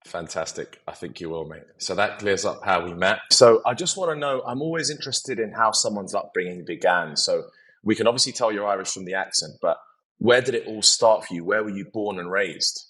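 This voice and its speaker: Husky low-voiced man hosting an interview. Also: expressive, brisk, a bit bright. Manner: friendly, asks several questions in a row, says "mate". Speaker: podcast host. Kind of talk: casual interview questions.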